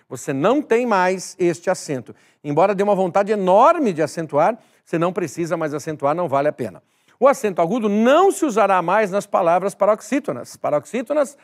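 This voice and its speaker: A man teaching a recorded exam-prep grammar lesson, emphatic, repeating key words and speaking straight to the viewer. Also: high-pitched.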